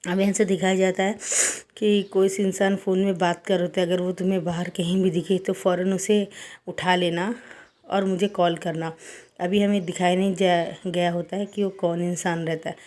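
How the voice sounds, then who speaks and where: A woman narrates a fan fiction story in a chatty, informal way. Her voice is mellow and dark. She speaks in a flat, even tone with little rise and fall. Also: fairly low pitch, normal speed. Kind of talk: casual fan fiction retelling.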